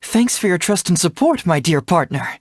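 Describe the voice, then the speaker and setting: Young male game detective: self-assured, breezy and teasing, animated intonation, dry studio sound. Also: high-pitched, moderate pace, dry recording. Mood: warm, upbeat. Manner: breezy, playful, self-assured, theatrical phrasing. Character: cheeky, confident young male detective with cyclone-powered combat. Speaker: video game voice actor. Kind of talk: scripted game character voice lines.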